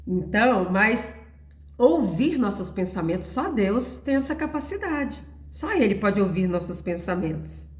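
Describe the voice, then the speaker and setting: A woman's voice: medium pitch, sing-song, unhurried. A woman giving an earnest, storytelling Christian testimony, sharing her faith in a personal talk. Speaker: Christian devotional speaker. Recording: roomy echo.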